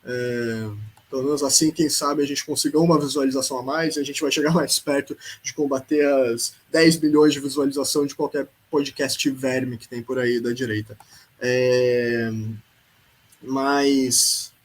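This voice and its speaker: A man's voice: medium pitch, fairly even intonation, normal speed, poor audio. A man hosting a podcast, giving casual, sarcastic political commentary and peppering his speech with filler tags. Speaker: podcast host.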